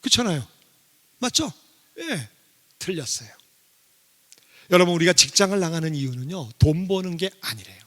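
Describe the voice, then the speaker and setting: A middle-aged man giving a sermon testimony as a guest revival speaker. He speaks in an animated way and poses questions to the congregation. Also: a little high, normal speed, long pauses. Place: church sanctuary. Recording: long reverb of a church hall.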